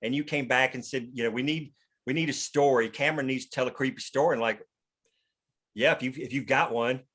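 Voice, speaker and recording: A man's voice: medium pitch, brisk, a bit bright, breathy edge. A man chatting casually in an explanatory way, thinking aloud as he leads a group discussion of a script. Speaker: writer leading a table-read discussion. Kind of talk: casual chat.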